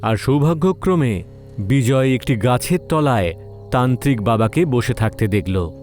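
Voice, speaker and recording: A man's voice: mid-range voice, lively intonation, normal speed, a little mellow, faint music behind. A man narrating a scripted horror story in a dramatic storytelling style.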